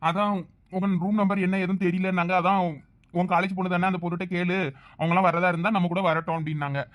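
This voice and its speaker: A man playing a rapid-talking young caller. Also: sits high, fairly bright tone. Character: young man phoning a girl's family. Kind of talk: comedy skit acting.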